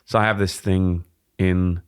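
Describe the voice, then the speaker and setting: A man in his forties, a presentation coach, explaining at a relaxed pace as he co-hosts a podcast on a studio mic. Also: deep voice, unhurried, clear, resonant tone. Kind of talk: casual podcast chat. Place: dim studio with warm lamps. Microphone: studio mic on boom arm.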